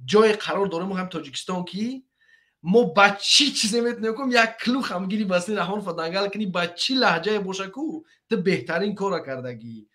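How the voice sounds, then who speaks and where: A man with a Tajik accent calls in to a talk show. His voice is high and sharp in tone, and he speaks haltingly, filling his pauses and restarting his sentences. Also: lively intonation. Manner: hesitant, with fillers and restarts. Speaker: caller.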